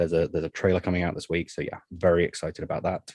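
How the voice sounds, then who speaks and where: A man with an English accent speaks very fast in a dark, mellow tone, the sound dry and close with no echo. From UK. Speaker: podcast co-host, horror writer. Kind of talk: casual chat.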